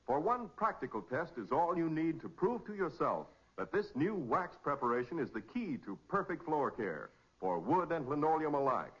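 Male 1940s radio announcer, declamatory and animated, slightly high, scripted sponsor read, dull vintage recording. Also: moderate pace, hardly any pauses, slightly rough. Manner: polished, declamatory.

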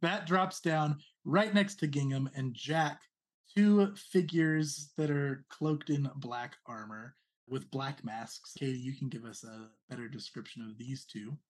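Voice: mid-range voice, measured pace. A game master narrating a tabletop role-playing game in a descriptive, amused way.

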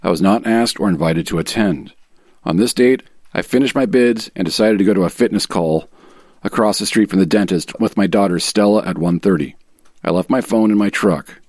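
A man voicing an aggrieved husband in a dramatic reading of a sworn legal statement, measured, formal and self-righteous. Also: lowish voice, darkish tone, no echo, studio quality, lightly acted.

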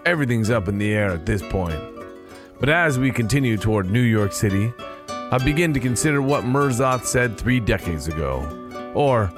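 A man's voice: fairly low pitch, expressive, moderate pace, music in the background. A man narrating an audio drama in the first person with a dry, sardonic manner.

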